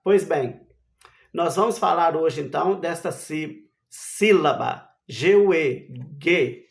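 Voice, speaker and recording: A Brazilian man teaches a literacy lesson at an unhurried, measured pace. His voice sits fairly high for a man, and he spells out letters one by one and checks in with rhetorical questions. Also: vocal fry. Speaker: Portuguese language teacher.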